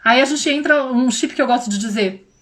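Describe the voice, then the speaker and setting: High-voiced woman, animated mentor talk. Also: fairly quick. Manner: animated, addresses viewers directly, acts out quoted voices. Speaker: parenting mentor. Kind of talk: casual livestream talk.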